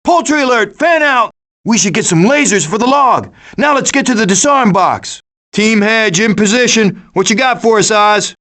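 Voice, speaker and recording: A cocky raccoon hero from an animated video game. The voice sits high and jumps around animatedly in pitch. The delivery is glib and theatrical, that of a scheming, adventurous wisecracker. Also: male voice, normal speed. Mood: wry, confident.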